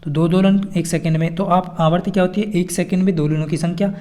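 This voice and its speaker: A man's voice: sits high, fairly even intonation, quick pace, darkish tone. A man teaching an exam-prep lesson, reading out quiz questions and explaining the answers with repeated key points.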